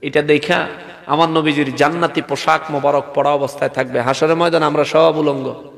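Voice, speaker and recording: Gravelly-voiced Bangladeshi preacher in a reverberant hall. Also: male voice, on the high side, fairly even intonation, a little fast, a bit bright. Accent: Bangladeshi regional Bengali. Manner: calls on the crowd to respond. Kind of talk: animated sermon with dramatized quotes.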